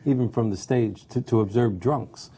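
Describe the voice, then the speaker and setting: A man's voice: mid-range voice, moderate pace, warm tone, slightly rough. A man hosting a talk show, chatting casually with his guest in short encouraging remarks. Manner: brief encouraging interjections. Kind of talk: casual interview chat.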